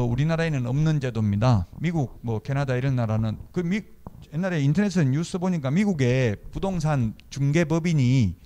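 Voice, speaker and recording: Man, middle-aged, real estate law lecture, conversational, personal anecdotes, somewhat high, warm dark tone. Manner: conversational, asks the class questions and answers them himself; tells personal anecdotes from his own brokerage work. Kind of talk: classroom lecture.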